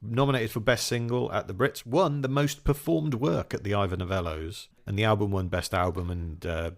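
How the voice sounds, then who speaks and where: A man's voice: fairly low pitch, moderate pace. A man co-hosting a podcast in casual chat, trading dry quips and trivia. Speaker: podcast co-host.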